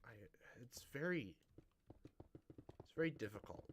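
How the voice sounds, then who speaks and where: Lively Midwestern American man rambling. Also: mid-range voice, measured pace, slight background noise. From Great Plains, United States. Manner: rambling, chatty, restarts his sentences. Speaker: gaming streamer. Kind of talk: casual chat while live-streaming a game.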